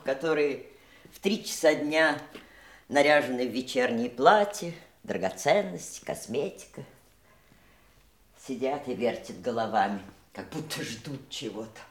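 Актриса играет сдержанную, гордую женщину, которая размеренно и задумчиво рассуждает о жизни после смерти близкого. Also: female voice, lowish voice. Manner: measured, reflective, faintly disdainful. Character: composed woman facing widowhood, reflective and proud. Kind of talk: 1980s stage radio play acting. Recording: echoey stage recording.

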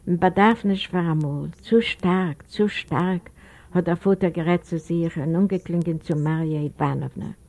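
A guilt-ridden old widower speaks his sorrow in a storybook reading, as a woman reader puts him on. His voice sits low and mellow, and the words come as a remorseful plea. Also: normal speed, creaky. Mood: shaken. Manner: remorseful, pleading. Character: grieving elderly widowed father, guilt-ridden. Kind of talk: audiobook character voice.

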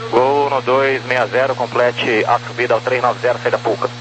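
A man's voice: mid-range voice, level tone, moderate pace, music in the background. A man working as an air traffic controller, giving terse, clipped procedural instructions over aviation radio. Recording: noisy humming aviation radio.

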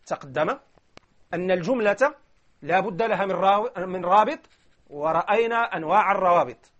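A man's voice: high-pitched, dull audio. A man giving a classroom grammar lecture, explaining step by step and often checking whether his listeners follow. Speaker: grammar teacher.

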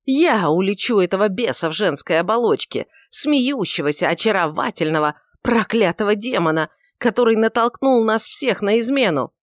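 A woman's voice: on the high side, a little slow, no echo, clean studio sound, voice pushed up, lightly acted. A woman reading aloud and voicing a grown male apostle, anguished and desperate, in wailing, frantic outcries. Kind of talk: audiobook reading of a dramatic novel.

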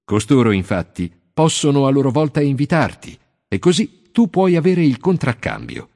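A man reading the part of Jesus, a grown man who teaches with calm authority in a measured, solemn cadence. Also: mid-range voice, creaky, voice pushed up. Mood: solemn teaching. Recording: long hall reverb.

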